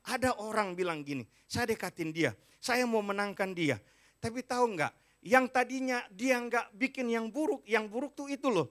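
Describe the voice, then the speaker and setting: A man in his forties preaches from a large church stage, his voice strikingly high and bright. He speaks emphatically into a handheld mic, addressing the congregation and acting out his points. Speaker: pastor. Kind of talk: sermon.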